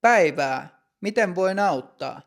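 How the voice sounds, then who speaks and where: A man voicing a calm, businesslike doctor in a read-aloud storybook lesson, asking brisk questions. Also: sits high, gravelly, voice pushed up.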